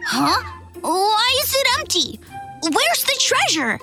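A cheeky young cartoon fox magician with a very high voice. He bounces up and down as he talks, curious and boastful. Music plays behind. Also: wildly swooping pitch, slow pace, heavily acted. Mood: puzzled. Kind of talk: cartoon voice acting.

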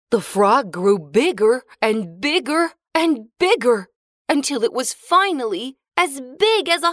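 A woman's voice: high-pitched, a bit bright, dry recording, studio quality. Woman reading a children's fairy tale. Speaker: narrator. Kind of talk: storybook narration for children.

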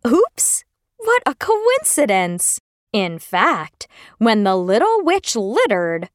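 Expressive, high-voiced woman storyteller. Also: no echo, clean studio sound. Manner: expressive, exclamatory, slow storytelling. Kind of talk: children's story narration.

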